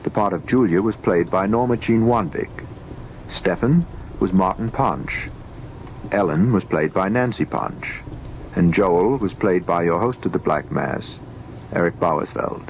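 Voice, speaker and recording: A man's voice: deep voice, measured pace. A man speaking as a radio host, reading scripted credits in a formal announcing style. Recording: faintly noisy old radio recording.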